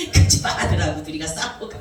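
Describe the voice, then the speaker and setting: Woman pastor, lowish voice, animated sermon storytelling, echoey hall, distant mic. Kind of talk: sermon testimony. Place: church sanctuary.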